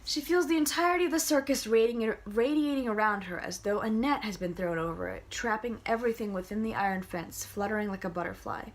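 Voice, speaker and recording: A woman's voice: medium pitch, quick pace, hardly any pauses. A young woman reading a novel aloud, casual and enthusiastic, with chatty asides and small stumbles. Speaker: audiobook reader.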